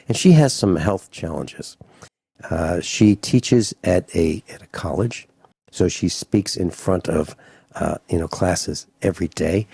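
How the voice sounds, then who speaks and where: A man's voice: sits low, vocal fry, dark tone, breathy edge, no echo. A man in his sixties hosting a radio talk show, chatting casually and rambling with restarts and fillers. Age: 60s. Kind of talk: casual radio interview chat.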